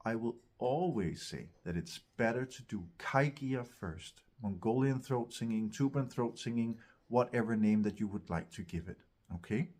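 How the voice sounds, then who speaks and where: A man with a husky voice teaching as a vocal coach, speaking in hesitant, searching phrases with emphatic repeats. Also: medium pitch, expressive, moderate pace, few pauses, darkish tone. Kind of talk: instructional talk to camera.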